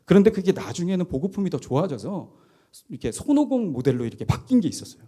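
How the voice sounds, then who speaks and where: A middle-aged man, a pastor, preaching by telling a personal story with lively, chuckling delivery. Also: high-pitched, fast talker, husky.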